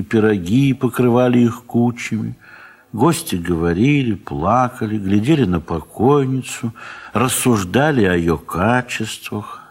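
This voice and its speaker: A man narrating a literary audio drama in measured, dramatic phrases with long pauses. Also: mid-range voice, a little mellow, breathy edge.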